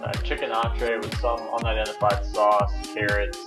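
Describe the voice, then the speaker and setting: A man's voice: fairly low pitch, flat delivery, moderate pace. A man narrating a travel vlog in a casual voice-over style. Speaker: travel vlogger. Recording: roomy sound under loud music. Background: loud instrumental music.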